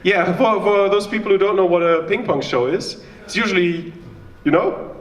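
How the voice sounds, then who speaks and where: A man's voice: sits high, moderate pace, roomy sound, distant mic, dull audio. German-accented man doing stand-up. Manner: chatty, self-mocking, banters with the crowd. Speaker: stand-up comedian. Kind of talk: stand-up comedy set. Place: small live venue with audience.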